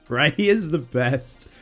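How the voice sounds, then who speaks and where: A man in his thirties talking casually to camera, with a husky, congested voice from a sinus infection. He sounds excitable and swears casually. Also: on the high side, drawn-out words, soft background music. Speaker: movie vlogger.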